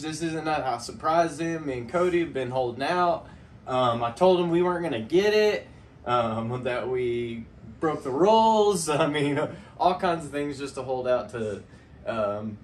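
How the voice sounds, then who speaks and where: A man's voice: medium pitch, distant mic, slight background noise. A man hosting a casual vlog, folksy and heartfelt, laughing often as he talks. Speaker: channel host.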